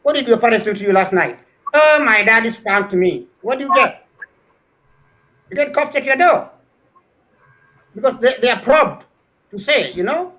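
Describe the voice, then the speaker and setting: A man's voice: very high-pitched, expressive, moderate pace, long pauses, sharp tone, poor audio. A middle-aged man from Kenya, a scholar answering interview questions earnestly, often repeating words as he builds a point. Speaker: guest scholar.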